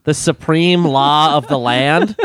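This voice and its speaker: A man's voice: fairly high pitch, slow pace, a bit bright, clear, resonant tone. A man co-hosting a radio show with crude comedic banter, swearing, teasing and often butting in.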